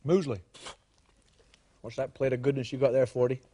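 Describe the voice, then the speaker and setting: A man's voice: medium pitch, little pitch movement, normal speed, warm tone, breathy edge. A man in a comedy sketch, teasing and incredulous. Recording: noisy.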